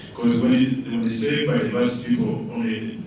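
A man speaks at a moderate pace. The room echoes strongly, with light background noise. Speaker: panelist. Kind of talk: panel discussion answer. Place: hall.

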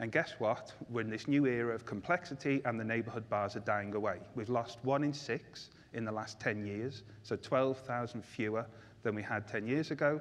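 Speaking at a moderate pace with a British accent, a man shows ordinary pitch variation. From England. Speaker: market research executive. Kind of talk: conference presentation. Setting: stage with audience. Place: stage. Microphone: lapel.

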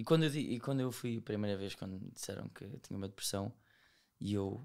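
In a quiet background, a man's voice sits fairly low in pitch. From Portugal, Estoril; Portugal. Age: 20s. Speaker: student sharing mental health experience; podcast guest. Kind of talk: personal testimony in interview. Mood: reflective, personal, somewhat hesitant. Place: studio. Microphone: studio mic.

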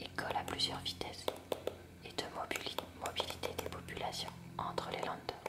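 Whispering and soft-spoken, the speaker goes at a moderate pace over loud background noise.

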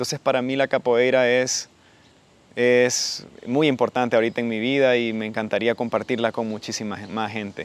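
His intonation is flat and monotone. The man keeps to a moderate pace. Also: medium pitch for a man. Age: 30s. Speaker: capoeira practitioner. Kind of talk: interview testimony. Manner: halting, frequent repetitions.

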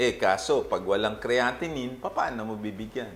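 An unremarkable speaking voice from a man, medium in pitch, fairly slow, with lively intonation. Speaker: physician and health advocate. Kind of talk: health talk show monologue. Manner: polite, conversational.

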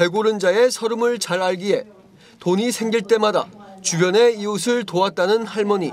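Against noticeable background noise, a man speaks at a moderate pace in a high pitch with fairly even intonation. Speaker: news reporter. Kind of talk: TV news report narration.

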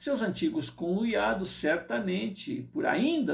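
At a very slow pace, a man talks with very wide pitch swings. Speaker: reader of a spiritual text. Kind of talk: reading aloud with commentary. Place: home room. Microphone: webcam.

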